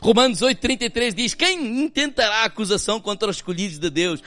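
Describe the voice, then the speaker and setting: A man with a European Portuguese accent preaching a sermon as pastor, swinging between impassioned loud passages and hushed, quiet ones. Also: sits high, animated, quick pace, dry recording.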